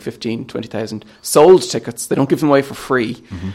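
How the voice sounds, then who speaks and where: At a fairly quick pace, a man with an Irish accent speaks at medium pitch. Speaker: Eurovision commentator. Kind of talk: casual interview.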